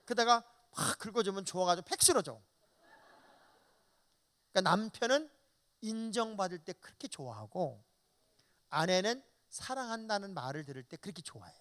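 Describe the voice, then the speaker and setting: A man in his fifties preaches a revival sermon in a church. His voice sits high and swings widely in pitch as he tells folksy stories. He acts out little bits of dialogue as he goes. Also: expressive, moderate pace, pauses often, fairly bright tone. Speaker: pastor.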